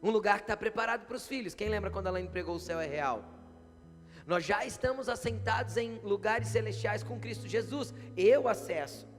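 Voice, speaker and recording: A man's voice: high-pitched, normal speed. A man preaching a sermon, putting frequent rhetorical questions to the congregation. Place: church hall. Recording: long church hall reverb, faint guitar.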